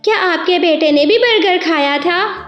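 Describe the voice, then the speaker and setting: A woman's voice: very high-pitched, measured pace, highs cut off. A woman doing a worried mother sparrow. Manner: worried, earnest. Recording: echoey with background music.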